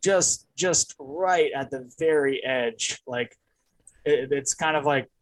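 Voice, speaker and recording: A man's voice: medium pitch, slow pace, poor audio. A man co-hosting a casual movie podcast, talking in a loose, rambling way with frequent fillers and chuckles. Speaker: podcast co-host. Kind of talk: casual chat.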